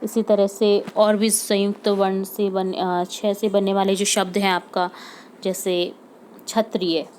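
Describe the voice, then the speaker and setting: A woman's voice: medium pitch, little pitch movement, a little slow, darkish tone, a little hiss or hum. A woman teacher going through a homework lesson for young pupils, patiently repeating example words and checking in with the class.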